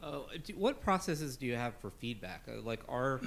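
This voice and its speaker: A man in a conference audience asking an informal question in a hesitant, loosely phrased way, picked up quietly from a distance. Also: mid-range voice, lively intonation, moderate pace, gravelly. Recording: distant, quiet, faint room noise.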